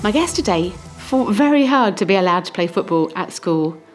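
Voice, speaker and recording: A woman's voice: medium pitch, expressive, normal speed, faint music behind. A woman hosting a podcast, reading a scripted introduction and interviewing her guest.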